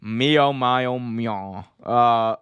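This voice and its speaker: Animated, jokey male podcast host. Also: medium pitch, slow pace, smooth, no room sound, lo-fi sound. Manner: animated, jokey, breaks into voices and laughter. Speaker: podcast co-host reading chat. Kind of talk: casual wrestling podcast chat.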